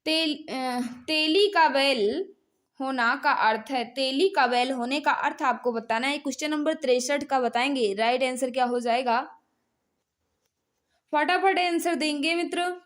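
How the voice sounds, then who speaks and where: A woman's voice: high-pitched, measured pace. An Indian woman teacher running a live exam quiz, reading out questions and answers in a repetitive, instructional way and prompting students.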